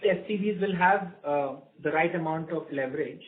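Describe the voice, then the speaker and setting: A man answering as a company executive on a conference call, explaining in a halting way. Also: on the high side. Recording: narrow tinny phone-line audio.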